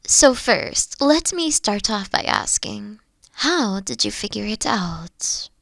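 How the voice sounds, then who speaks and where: A woman playing a mature, regal queen in an audio roleplay, teasing and flirtatious with a breathy, coy delivery and a protective streak. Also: mid-range voice, very animated, slow pace, fairly bright tone, dry recording, heavily acted. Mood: candid, warm.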